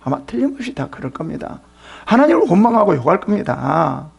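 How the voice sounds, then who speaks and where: A man's voice: high voice, very animated, a little fast, vocal fry, slightly rough. A middle-aged male pastor who preaches a sermon emphatically and uses rhetorical questions.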